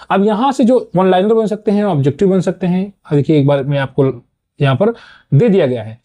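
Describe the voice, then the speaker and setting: Guy doing an exam prep class online, kinda high voice but mellow tone, checks in with "okay" a lot. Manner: explains points then checks with a quick "thik hai"; mixes English terms into his explanations. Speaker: exam coaching teacher.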